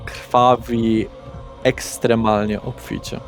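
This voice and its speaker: A man with a medium-pitched voice speaks slowly and flatly while acting as game master for a tabletop horror role-playing session. He narrates scenes and explains the rules, with background music playing beneath him.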